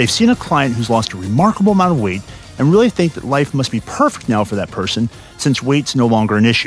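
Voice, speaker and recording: With music in the background, a man speaks very fast at a medium pitch, his pitch swinging very widely. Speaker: life coach. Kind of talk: podcast intro to camera.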